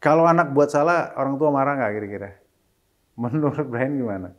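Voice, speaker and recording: Here the single father, a middle-aged man being interviewed, talks fairly quickly in a mid-range voice. He keeps things casual, slips in English phrases, and livens up when repeating what his children said.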